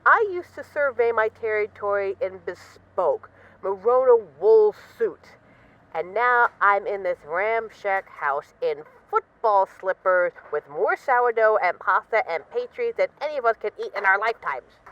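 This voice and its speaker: A woman's voice: mid-range voice, muffled recording, natural voice. A woman acting as a bored, restless mafia boss who misses a partner, talking in a wry, dramatic, rambling way in an intimate voice-message roleplay.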